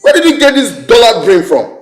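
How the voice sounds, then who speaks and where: A man's voice: very high-pitched, huge pitch swings, brisk, very noisy, heavily acted. A man playing a stern king scolding. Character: stern royal father, a king. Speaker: king and father.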